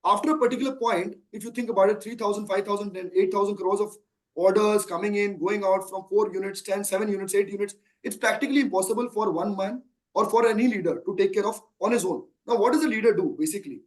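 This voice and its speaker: Here the thirty-something chief executive, Indian-accented, answers earnings call questions emphatically and at length, often posing rhetorical questions. The recording is rough, and his high voice moves fast.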